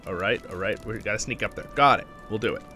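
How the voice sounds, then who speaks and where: A man's voice: lowish voice, quick pace, music in the background. A man hosting a casual game stream, chatting with viewers while recovering from a cold.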